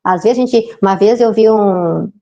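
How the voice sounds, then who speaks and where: A woman giving an informal spiritist talk, chatty and often turning to the audience with quick tag questions. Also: medium pitch, warm tone, highs cut off. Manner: chatty, keeps asking the audience "né, gente?". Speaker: spiritist lecturer.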